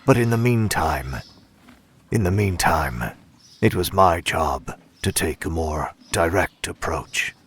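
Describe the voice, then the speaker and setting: Grave, courteous caretaker narrating horror audio drama: unhurried, deep, composed. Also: male voice, expressive, slight background noise. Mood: grave, measured. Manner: measured, polite, grave. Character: composed, somber male caretaker doing grim duty.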